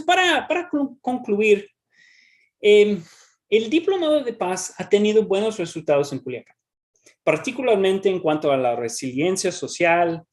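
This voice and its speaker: Man speaking careful, halting Spanish. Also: on the high side, darkish tone. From United States. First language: English. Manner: halting, frequent restarts and repeated words. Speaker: researcher presenting. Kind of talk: academic talk and Q&A.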